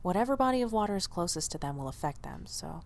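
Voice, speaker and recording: A woman's voice: fairly low pitch, lively intonation, fast talker, a little mellow. A woman playing an earnest, loyal young diner waitress in audio drama dialogue, speaking expressively and a little hesitantly. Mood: casual explaining.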